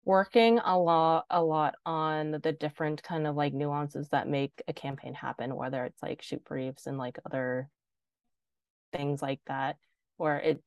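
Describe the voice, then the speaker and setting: A young woman who works as a designer chats casually as a podcast guest, filling her talk with "like." Her voice sits low, gravelly and darkish, in a dry recording.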